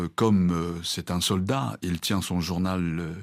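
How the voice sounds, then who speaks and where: A man with a Japanese accent and a very deep, low voice, on a very clean recording with a silent background. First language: Japanese (speaking French). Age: 70s. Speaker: novelist and French teacher. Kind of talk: interview. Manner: halting, with many hesitations.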